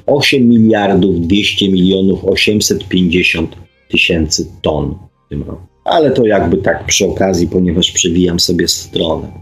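Male radio host, slightly low voice, unhurried and hesitant, stressing figures by repetition. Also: low-quality recording. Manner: hesitant, pausing, repeats figures for emphasis. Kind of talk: radio monologue reading out statistics to listeners.

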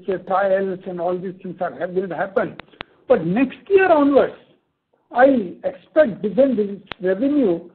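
Husky, high-pitched Indian executive, male. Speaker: company executive on an earnings call. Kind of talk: answering investor questions, business briefing. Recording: tinny, narrow conference phone line.

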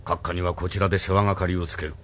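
A man's voice: low voice, level tone, fast, fairly bright tone, slight background noise. An actor playing a stern male admiral who insists on rank, speaking in a formal, commanding way.

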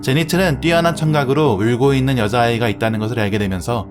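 A man with a mid-pitched voice narrates an anime review from a script. Music plays clearly behind his voice throughout. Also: fast talker.

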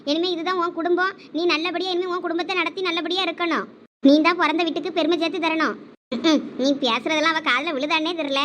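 A woman's voice: very high voice, fairly even intonation, fast, a bit bright, slight background noise. A woman with a Thoothukudi Tamil accent performing village family comedy drama dialogue, chatty, scolding and coaxing.

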